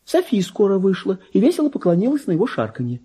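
A man's voice: high voice, huge pitch swings, warm tone, slightly rough, pitched above the performer's own voice, heavily acted. A man voicing a gossipy, affected little female pet dog in a theatrical, chatty reading of a classic story. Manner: chatty, mannered, exclamatory, drawn-out emphasis.

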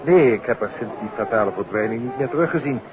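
A man's voice: mid-range voice, animated, quick pace, a crowd in the background, natural voice. An actor playing an affable but evasive man-about-town in a 1950s Dutch radio play, chatty and breezy. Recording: muffled old radio recording, music behind.

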